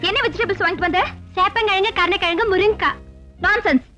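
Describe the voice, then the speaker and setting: A woman's voice: very high voice, fast talker, sharp tone, faint music behind. A woman acting in a film comedy, speaking in an affected way as she shows off her modern tastes.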